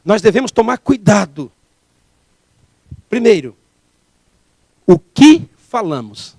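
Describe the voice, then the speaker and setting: A man's voice: high voice, very animated, slow pace, darkish tone, no room sound. A man preaching a sermon as pastor, emphatic and full of rhetorical questions.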